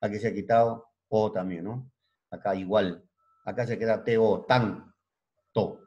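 A fairly low-pitched male teacher gives a classroom lesson. He repeats himself, drags out examples slowly and keeps asking the class if they follow. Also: steady tone, warm tone, highs cut off. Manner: repetitive, checks understanding with frequent "¿ya?" and "¿no?"; spells out word forms slowly, restarts words. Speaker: secondary school language teacher. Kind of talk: classroom lecture.

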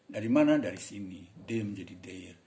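A man teaching English in a casual lesson. He reads example sentences slowly, explains them with chatty fillers, and acts out short dialogue parts in a raised voice. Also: on the low side, animated, mellow.

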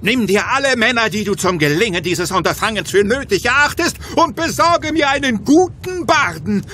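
A man's voice: sits high, lively intonation, normal speed, noisy background. A man playing a bored, imperious Roman general who loves music, florid and theatrical, in a comic audio drama.

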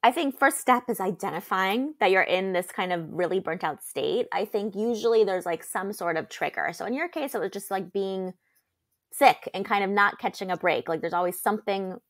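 A woman's voice: mid-range voice, lively intonation, normal speed. A young woman co-hosting a podcast, talking in a chatty, reassuring way with lots of fillers. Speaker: podcast co-host. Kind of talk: casual chat.

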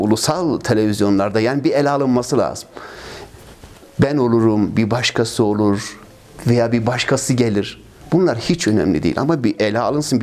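The voice is medium-pitched and a little mellow, belonging to a man in his fifties who presides over a ski club. He answers an interview earnestly but complains at length, full of fillers and repeated phrases, picked up by a lapel mic in his indoor office of trophies and flags.

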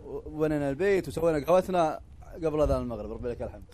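Man, Qatari accent, team leader, fairly fast, slightly high, faint hiss behind. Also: expressive. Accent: Qatari Arabic.

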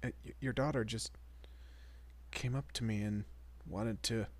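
A man playing a shy, nervous young vampire father in a romantic audio roleplay, stammering and soft-spoken, often dropping to a near-whisper. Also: lowish voice, steady tone, a little slow, close to an everyday voice. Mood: flustered.

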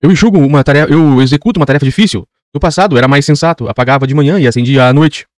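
A man voicing a tired, dutiful lamplighter who speaks in a flat, resigned way. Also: a little high, racing, no echo, studio quality, close to an everyday voice.

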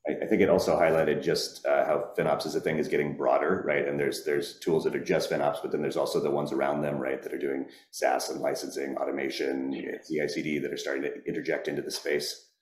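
A man's voice: very deep voice, little pitch movement, echoey room. A man speaking as a panelist over a video call, jumping in eagerly with his points. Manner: quick, jumps in eagerly. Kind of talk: webinar panel discussion.

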